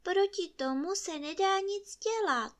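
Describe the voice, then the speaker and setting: A woman voicing a gentle, kind young fairy in bedtime storytelling, speaking mildly and soothingly. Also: sits high, big pitch swings, voice pushed up. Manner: mild, soothing.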